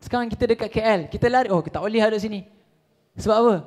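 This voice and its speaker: A young man with a Malaysian Malay accent preaches a religious talk, retelling an old story and speaking the characters' lines himself. His voice sits high for a man, and he stretches Arabic phrases into a slow chant. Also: darkish tone. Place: lobby hall before a live audience.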